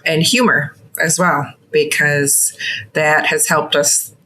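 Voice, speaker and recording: A middle-aged woman speaks slowly as a podcast guest. Her voice is a bit low and her answers are conversational and considered. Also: fairly even intonation, sharp tone, poor audio.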